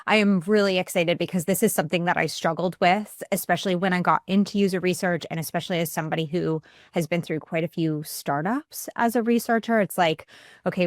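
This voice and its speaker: A woman's voice: fairly low pitch, dry recording, clean studio sound. A woman hosting a podcast, upbeat and chatty, often laughing as she asks questions. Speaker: podcast host. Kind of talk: podcast interview.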